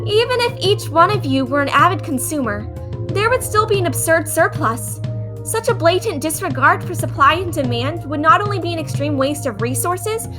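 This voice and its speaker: A woman's voice: extremely high pitch, expressive, moderate pace, over music. A woman playing a perky, inquisitive young female sightseer in a fan audio drama, with a bubbly manner. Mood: baffled.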